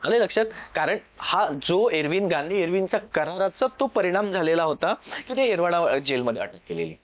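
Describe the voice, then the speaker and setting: A man's voice: sits high, sing-song, moderate pace. A man with a Marathi accent from Maharashtra lecturing like a classroom exam coach, explaining step by step and often checking that students follow. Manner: explanatory, repeatedly checks understanding with short questions. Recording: dull lo-fi sound.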